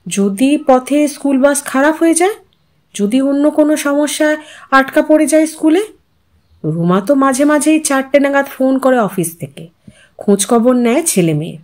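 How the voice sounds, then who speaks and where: High, expressive woman narrating a story.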